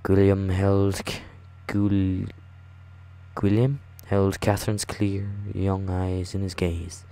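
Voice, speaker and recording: A man hosting a gaming video, chatting casually and reading a visual novel aloud in a hushed, late-night voice. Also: low-pitched, flat delivery, takes it slowly. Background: music.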